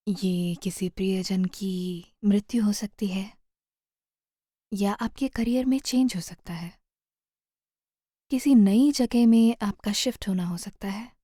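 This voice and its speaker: A woman narrating a guided meditation in a soothing, gentle manner, often trailing off into a near-whisper. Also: mid-range voice, no echo, clean studio sound.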